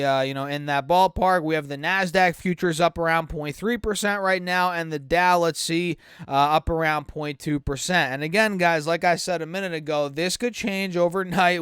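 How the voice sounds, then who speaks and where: A man's voice: on the high side, a bit bright, clear, resonant tone, no echo, clean studio sound. A man with a stuffy nose from allergies, chatting casually to viewers about the stock market, upbeat and full of fillers. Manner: upbeat, addresses viewers as guys, many fillers. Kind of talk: casual market analysis to camera.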